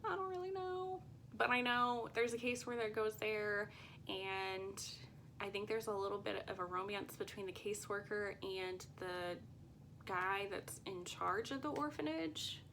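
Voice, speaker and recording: A woman's voice: mid-range voice, unhurried, a bit bright, a little hiss or hum, rough recording. A woman book vlogger talking casually to viewers in a chatty, rambling and often unsure way.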